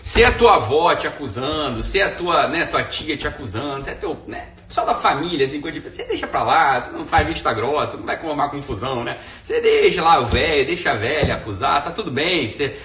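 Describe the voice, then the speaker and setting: Brazilian guy doing a live stream at home, rambly and slangy, sharp voice, echoey room, kinda far from the mic. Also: fairly high pitch, very animated, a little fast, hardly any pauses, slight background noise. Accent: Brazilian Portuguese. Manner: rambling, slangy, tags sentences with "né". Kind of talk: casual live stream monologue.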